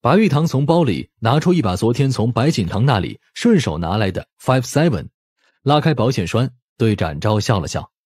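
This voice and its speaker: Male audiobook narrator: slightly rough, animated delivery, dramatic storytelling, close dry sound. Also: mid-range voice, normal speed, dry recording.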